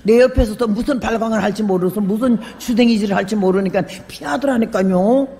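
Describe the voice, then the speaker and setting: An older woman missionary preaching a sermon, telling her own story with lively acted-out voices and sudden shouts. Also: mid-range voice, brisk, a little hiss or hum. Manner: animated storyteller, acts out quoted voices, bursts into shouts. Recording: long hall reverb.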